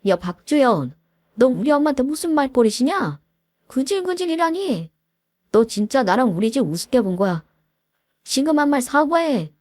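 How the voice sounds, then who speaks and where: A pushy young boyfriend, as a woman reading a story puts him on, pressing his case in a pleading way with a lively, swinging pitch. The sound is close and dry. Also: moderate pace, dry recording. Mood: angry.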